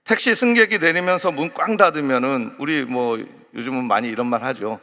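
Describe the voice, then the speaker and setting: A man's voice: medium pitch, fairly quick, bright, forceful tone. A man preaching an early morning sermon as a pastor, explaining in a conversational way and telling lighthearted anecdotes. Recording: long reverb of a large church hall.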